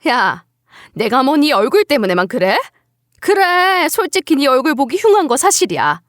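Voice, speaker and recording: A woman's voice: high-pitched, very animated, normal speed, no echo, clean studio sound. A woman voicing a scornful older woman doctor who scolds and belittles her daughter-in-law in a dramatized story reading. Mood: outraged. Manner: sneering, scolding, contemptuous.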